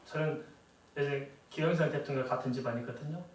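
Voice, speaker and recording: A man's voice: medium pitch, fast, slight background noise. A middle-aged man preaching a sermon as a pastor, talking conversationally and often asking the congregation rhetorical questions. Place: church sanctuary. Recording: echoey church hall, voice from a distance.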